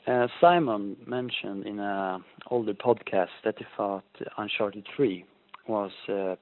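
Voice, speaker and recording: Swedish male caller on a tinny line. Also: fairly low pitch. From Sweden. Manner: hesitant, polite. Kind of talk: recorded phone message.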